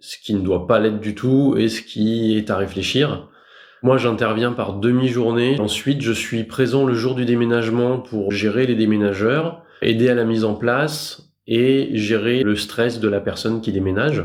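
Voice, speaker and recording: Here a man with an unremarkable speaking voice talks at a fairly slow pace, using a medium pitch and fairly even intonation. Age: 40s. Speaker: senior relocation assistant. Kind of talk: interview testimony.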